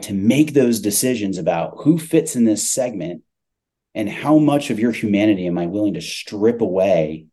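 A man's voice: lowish voice, warm tone. A man talking business as a guest in a conversational interview, stressing points by repeating phrases. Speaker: podcast guest, tech company CEO.

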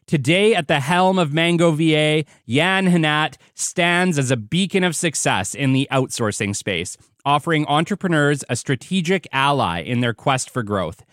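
A business podcast host reads a polished introduction for his guest, then shifts into casual, upbeat, enthusiastic interview chat. His voice is slightly high and a bit bright with lively intonation and a moderate pace, recorded dry at studio quality.

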